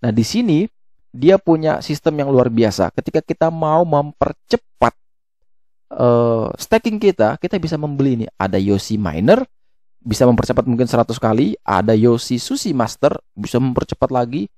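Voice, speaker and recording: A man's voice: mid-range voice, animated, dark tone, no echo, clean studio sound. A man giving a casual explainer as an online video host, often hesitating and correcting himself as he goes. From Indonesia. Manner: halting, with frequent hesitations and self-corrections. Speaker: YouTube host explaining crypto tokens. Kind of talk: casual explainer, walking through a web page.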